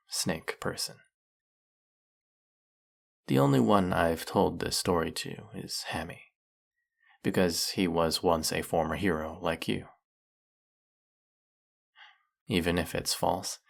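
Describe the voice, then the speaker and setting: Slow, creaky-voiced lonely snake villain played by a man. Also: low voice, full character voice. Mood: wistful, confiding. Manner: soft-spoken, flirtatious, unhurried. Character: lonely, courteous snake-headed male villain, smitten and gentle. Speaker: voice actor in an audio roleplay. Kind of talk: intimate audio roleplay acting, addressing the listener.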